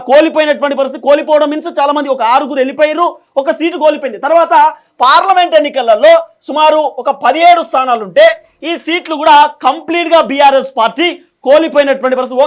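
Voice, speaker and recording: Very high-pitched, fast Telangana man presenting news. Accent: Telangana Telugu. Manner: emphatic, repetitive, poses and answers own questions. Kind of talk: explanatory political commentary at a board.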